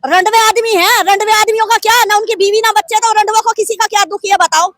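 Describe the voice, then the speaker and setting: Middle-aged woman, very high voice, rapid and indignant, grieving mother in a street interview, dry close sound. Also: fairly even intonation, fairly bright tone, no room sound. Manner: impassioned, indignant, fires rhetorical questions.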